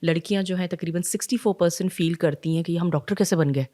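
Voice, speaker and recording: A middle-aged woman from Pakistan, a communication trainer, talking in an animated, story-driven way and slipping English phrases in. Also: on the low side. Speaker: communication trainer and guest speaker. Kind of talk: conversational podcast interview.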